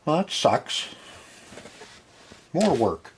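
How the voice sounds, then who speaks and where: A man's voice: a little high, sing-song, extremely slow, slight background noise. A man casually narrating a hands-on repair as he goes, muttering to himself in short, folksy remarks. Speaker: host of a retro repair video channel.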